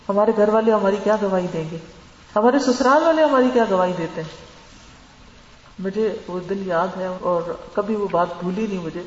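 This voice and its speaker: A woman's voice: medium pitch, a little hiss or hum. A woman giving an earnest religious lecture, advising her listeners and mixing in English words. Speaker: religious teacher. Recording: echoey hall, dull lo-fi sound.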